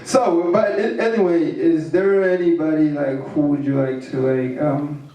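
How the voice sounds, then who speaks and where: A man's voice: fairly high pitch, moderate pace, mellow, muffled recording. A man from Burundi interviewing someone casually at a live event, with lots of fillers and laughs. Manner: chatty, laughing, filler-heavy questions. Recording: very echoey hall, distant mic.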